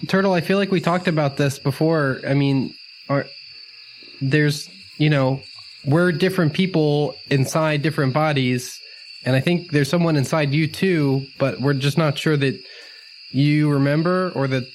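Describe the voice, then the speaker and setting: A man's voice: on the high side, slight background noise, rough recording. A man playing a tabletop role-playing game, improvising casually in a tentative, rambling way.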